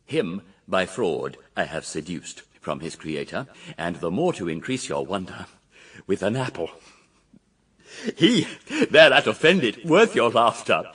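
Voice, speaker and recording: Proud fallen angel for verse radio drama: bright forceful voice, huge swings from booming to hushed, slightly off-mic. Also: male voice, big pitch swings, measured pace, slightly rough, distant mic, full character voice. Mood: gloating, scornful. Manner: grandiose, declamatory, swinging from booming cries to hushed murmurs.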